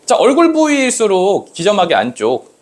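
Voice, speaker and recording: A man's voice: high voice, wildly swooping pitch, normal speed. A man teaching a classroom lecture, acting out rhythms with sound effects and checking often that students follow. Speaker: Korean language tutor. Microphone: recorded lecture.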